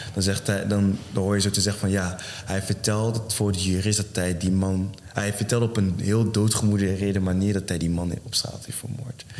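A man's fairly low, monotone, flat voice at a moderate pace with hardly any pauses, over noticeable background noise. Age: 20s. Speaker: student and reading promoter. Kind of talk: casual interview.

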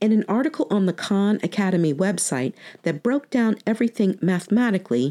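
On a very clean recording with a silent background, a woman of medium pitch speaks in a dark, mellow tone with an American accent. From New York City. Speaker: podcast host, college writing instructor. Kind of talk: solo explanatory monologue. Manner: casual, conversational.

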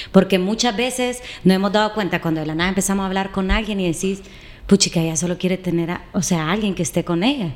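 Speaking fairly quickly, a woman uses a medium pitch and ordinary pitch variation. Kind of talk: casual faith-based chat.

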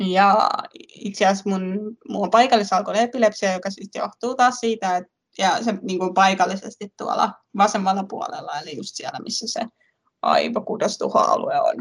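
A woman speaks at a moderate pace and fairly high pitch with lively intonation. Her loudness swings widely, and it is a normal speaking voice. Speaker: podcast host with epilepsy. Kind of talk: casual chat.

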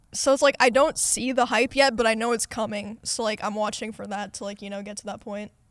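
This is a plain, everyday voice with an American accent. It moves at a fairly quick pace, with big swings in loudness. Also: woman, fairly high pitch for a woman. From Texas. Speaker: podcast co-host. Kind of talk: casual chat.

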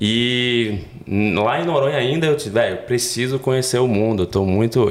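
Here is a man with a plain, everyday voice. He talks at a moderate pace with ordinary pitch variation. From Natal, northeastern Brazil. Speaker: tattoo artist. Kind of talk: casual chat. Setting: studio.

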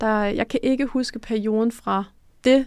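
On a very clean recording with a silent background, a woman with a fairly high pitch talks in a monotone, flat intonation, the sound dry and close with no echo. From Zealand, Denmark (Slagelse). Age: 20s. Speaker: marketing student, chronic illness patient. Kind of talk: podcast interview.

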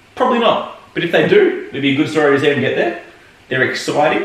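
A man with an Australian accent talks at a very fast pace, with audible room echo and noticeable background noise. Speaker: podcast host. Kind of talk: casual chat.

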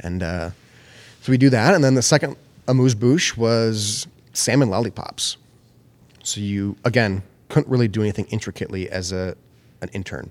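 A man's fairly low voice in an American accent, at a moderate pace with ordinary pitch variation and long, frequent pauses, on a very clean recording with a silent background. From Minnesota, Twin Cities. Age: 30s. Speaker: chef. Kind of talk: casual chat. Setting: coffee shop.

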